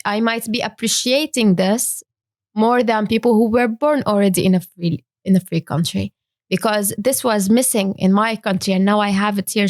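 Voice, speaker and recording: Young woman from Syria, interview guest, halting delivery, dry sound. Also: mid-range voice, a little mellow, no room sound. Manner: hesitant, many fillers and restarts. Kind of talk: interview talk.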